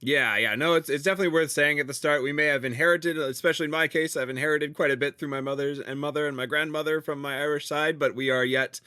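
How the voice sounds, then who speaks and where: A man from the United States co-hosting a podcast, talking casually with halting fillers and repeats. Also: on the high side, steady tone, bright, forceful tone, smooth, no room sound, studio quality. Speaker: podcast co-host.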